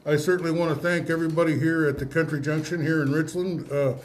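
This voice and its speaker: A man with an American accent hosting a casual live radio interview, chatty and joking, with halting delivery. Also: fairly high pitch, little pitch movement, a little hiss or hum. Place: public venue used for a live broadcast.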